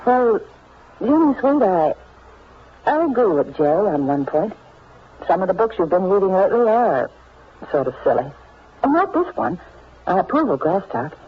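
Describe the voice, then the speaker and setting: An actress playing a gentle, sensible, motherly sweetheart in a radio soap, soothing and a little halting, full of endearments. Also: medium pitch, very animated, slightly rough. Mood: kindly advising. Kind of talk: 1940s radio soap acting. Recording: muffled, noisy old radio recording.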